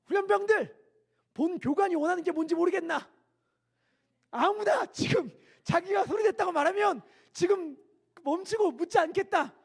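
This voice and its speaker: A man's voice: very high voice, normal speed, vocal fry, voice pushed up. A man voicing a stern male army drill instructor who barks commands at recruits. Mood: shouting. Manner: barking commands.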